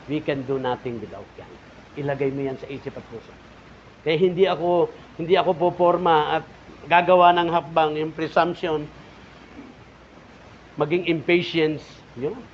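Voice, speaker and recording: Filipino pastor preaching with swelling emphasis. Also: male voice, fairly high pitch, lo-fi sound, a little hiss or hum. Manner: preaching with rising and falling emphasis, repeated calls to the congregation. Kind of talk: sermon. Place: church.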